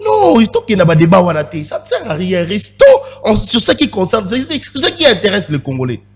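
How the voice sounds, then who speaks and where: A man's voice: sits high, huge pitch swings, fairly quick. A man in a heated TV studio debate, pressing his point and repeatedly asking for the floor. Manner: insistent, repeats pleas for the floor, mixes French and Lingala. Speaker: panelist.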